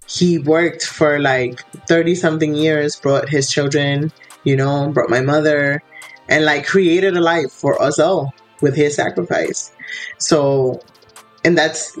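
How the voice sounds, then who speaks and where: Calm co-host from the Dominican Republic. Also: medium pitch, rough recording. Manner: calm, pushes back, fills with "like" and "you know". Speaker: podcast co-host. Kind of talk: casual debate.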